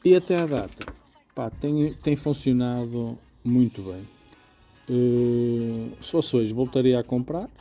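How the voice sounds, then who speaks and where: A man with a European Portuguese accent talks through a product demonstration in an informal, explanatory way. His voice is very mellow and dark, sitting at an average male pitch. He sounds like an everyday reviewer checking that the listener follows. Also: slow, soft background music. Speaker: motorcycle gear reviewer.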